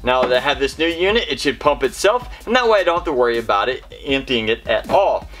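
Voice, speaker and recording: Very animated and fast, his mid-range, fairly bright voice carries over faint music. He's the middle-aged host of a home improvement how-to show, explaining practical steps to camera in a straightforward, instructional way.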